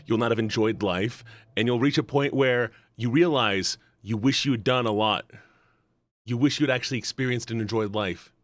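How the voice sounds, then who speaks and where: A man's voice: medium pitch, moderate pace, dry recording, clean studio sound. A man talking casually on a livestream, rambling earnestly and bluntly and repeating himself for emphasis. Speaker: live streamer.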